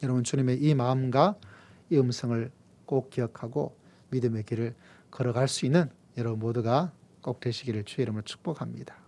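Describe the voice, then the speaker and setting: A man from the region, preaching a sermon and telling a playful story with emphatic, drawn-out key words. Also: mid-range voice, warm tone. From Gyeongsang region, Korea. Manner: playful storytelling with jokes and acted-out voices. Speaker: pastor.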